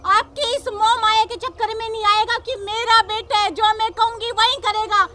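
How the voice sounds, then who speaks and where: A woman's voice: very high-pitched, little pitch movement, moderate pace, background noise. A woman playing a defiant young daughter-in-law, a police officer, who lectures her mother-in-law combatively. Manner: combative, lecturing, repeats "samajh gaye".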